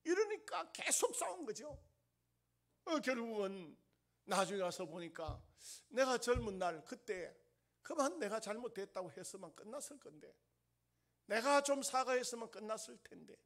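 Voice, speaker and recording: A male pastor preaching a sermon, emphatic and repetitive, asking the congregation questions and swinging between loud bursts and soft asides. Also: extremely high pitch, big pitch swings, moderate pace. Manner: emphatic, repeats lines, asks the congregation questions.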